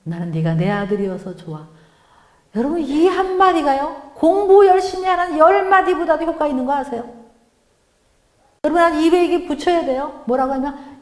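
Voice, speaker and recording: A middle-aged woman speaking as guest lecturer at a church mothers' meeting, lively, acting out quoted family lines. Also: sits high. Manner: animated, acts out quoted lines of family members. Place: church sanctuary. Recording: echoey church hall.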